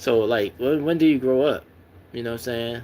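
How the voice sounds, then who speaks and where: Fairly quick speech from a man with an American accent. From Baltimore, Maryland, US. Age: 40s. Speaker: sports vlogger. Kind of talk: personal monologue. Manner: halting.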